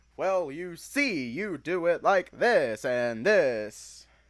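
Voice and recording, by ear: A man's put-on character voice, high in pitch and very slow in pace.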